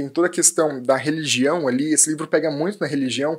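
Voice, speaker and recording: Someone speaks with a Brazilian accent against noticeable background noise. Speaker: book reviewer youtuber. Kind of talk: casual book review vlog. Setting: home recording at midnight. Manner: casual, slangy.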